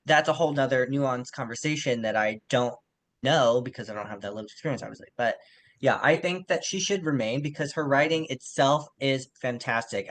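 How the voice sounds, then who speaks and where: A man's voice: medium pitch, a bit bright. A man co-hosting a literary podcast, giving casual literary analysis in a discursive way, often qualifying his own points.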